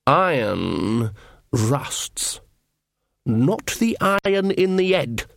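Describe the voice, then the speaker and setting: A man voicing a slow, smooth, haughty horned god. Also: mid-range voice, sing-song, a bit bright, no echo, clean studio sound, full character voice. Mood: weary menace. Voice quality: smooth, rich voice. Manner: slow, drawling, condescending. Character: huge antlered horned male god, weary, haughty, lordly.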